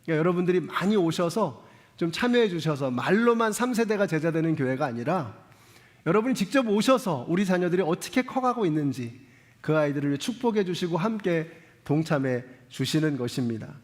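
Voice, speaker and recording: A man's voice: a little high, sing-song, brisk. A male pastor preaching a sermon, talking straight to his congregation with frequent questions and earnest appeals. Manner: earnest, exhorting. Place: church sanctuary. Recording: long church reverb.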